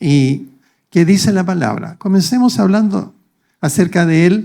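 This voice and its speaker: In a very clean recording with a silent background, a man with a high pitch and a dark, mellow tone speaks at a fairly slow pace with ordinary pitch variation. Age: 70s. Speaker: preacher. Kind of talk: sermon.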